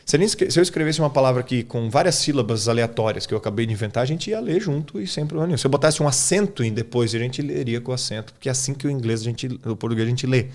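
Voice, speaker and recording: A Brazilian man who teaches English talks through his method on a podcast very fast, with hardly any pauses, in a mid-range voice that's a little mellow. The tone is informal, and he often checks in with the listener using "tá?" and "cara."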